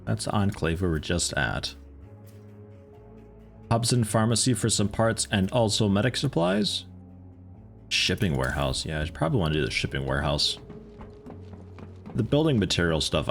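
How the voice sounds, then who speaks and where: Brief: gamer in his 30s, low voice, lively swings, loose chatty talk, faint game music under. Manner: rambling, chatty, swears casually. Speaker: gaming livestreamer. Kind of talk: casual gameplay commentary.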